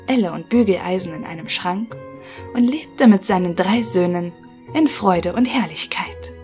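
A woman reading a fairy tale audiobook aloud in a clear, gently expressive storytelling voice. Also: medium pitch. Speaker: narrator. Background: faint music.

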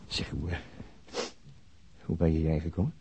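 A man's voice: rumbling low, level tone, moderate pace, warm tone. An actor playing a flustered, smitten male police inspector who stammers and repeats his words in a radio drama. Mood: flustered, eager. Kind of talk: intimate radio drama dialogue. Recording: dull, noisy old radio drama recording.

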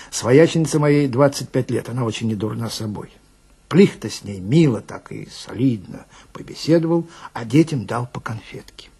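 A man's voice: mid-range voice, vocal fry, darkish tone, husky. A man telling a first-person story dramatically, in a conversational, wry way, as a police detective narrator.

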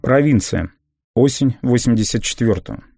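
A man reading a memoir aloud as an audiobook narrator, in a calm, measured and reflective way. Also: medium pitch, creaky, no room sound, studio quality, faint music behind.

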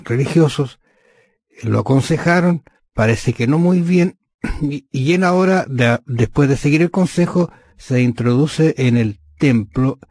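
A man's voice: medium pitch, a little mellow, no room sound. Man discussing a Bible lesson, dry sound. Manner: thinks aloud with frequent hesitations. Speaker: Bible study co-host.

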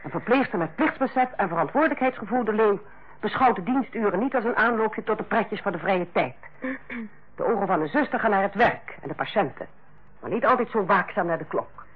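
An actress playing a stern, sarcastic head nurse who lectures and bites in a Dutch radio play. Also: female voice, mid-range voice, animated, a little fast, husky. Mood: stern, reproachful. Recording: muffled old radio play recording.

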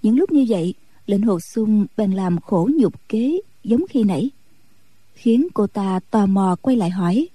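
A woman narrates a storybook in a steady, even-paced reading voice. Her tone is very dark and mellow with a husky grain, and her pitch sits slightly high. The recording is dry and close. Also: dry recording, low-quality recording. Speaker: audiobook narrator.

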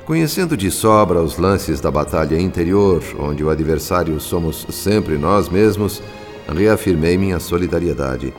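A very deep, unhurried spirit narrator with a Brazilian Portuguese accent, telling the story in a measured, solemn radio drama delivery. His voice rings with a long reverb, and music plays clearly beneath him. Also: animated. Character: calm discarnate spirit doctor narrating.

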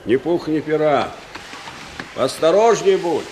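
An actor playing an old village man who is sly and quietly scornful, in a radio play. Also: a little high, expressive, unhurried, background noise. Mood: gruff friendly. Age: older. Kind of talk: Soviet radio play acting.

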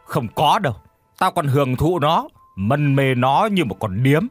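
A cruel old landlord in an audio drama, sneering and gloating at the man he has beaten, voiced by a male narrator. The delivery is lively and rises and falls widely. The voice is close and dry, with no room sound. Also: a little high, a little slow, no room sound, soft background music. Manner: sneering, insulting.

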